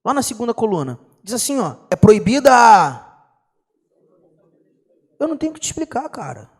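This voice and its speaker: A young Brazilian man teaches an exam-prep law class with a high, lively voice. He talks in slang and keeps firing rhetorical questions at his students. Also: normal speed. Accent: Brazilian Portuguese.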